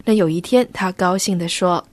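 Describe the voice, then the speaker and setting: A woman co-hosting a Christian radio talk show, explaining dating myths in a measured way. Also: lowish voice. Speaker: radio host. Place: radio studio.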